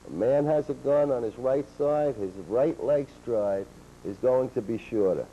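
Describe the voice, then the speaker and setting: A man calmly explaining police techniques on a training video, in a steady, matter-of-fact way, heard from an old VHS tape. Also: medium pitch, measured pace. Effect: old VHS tape sound. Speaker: law enforcement instructor. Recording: dull worn VHS tape with faint hiss.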